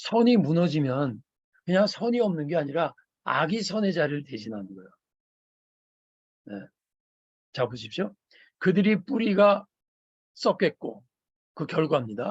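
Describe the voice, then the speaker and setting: A man's high-pitched voice with very wide pitch swings and big shifts in loudness, at a fairly slow pace with long, frequent pauses, over a quiet background. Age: 60s. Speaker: professor. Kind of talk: lecture.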